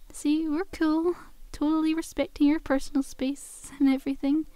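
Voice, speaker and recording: A woman's voice: high voice, little pitch movement, measured pace, dark tone, dry recording. A woman playing a cheeky, cajoling undead zombie girl in an ASMR roleplay, with a casual, teasing, conversational delivery. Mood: nervous, backpedaling.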